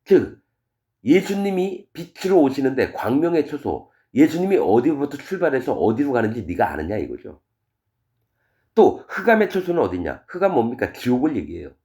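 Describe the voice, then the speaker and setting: Male pastor, middle pitch, very lively expository sermon style with casual paraphrase. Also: moderate pace. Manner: paraphrases verses in casual talking voice, asks rhetorical questions; animated, wide swings in pitch and loudness. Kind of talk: expository sermon reading scripture.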